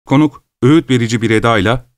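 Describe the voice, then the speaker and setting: Guy reading a story out loud, even and steady, dry close mic. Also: medium pitch, no echo. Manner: measured storytelling. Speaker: narrator. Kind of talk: scripted narration.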